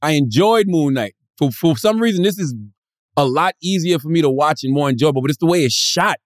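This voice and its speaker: Animated laughing podcast co-host, man. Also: fairly high pitch, brisk, no room sound, studio quality. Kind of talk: casual chat.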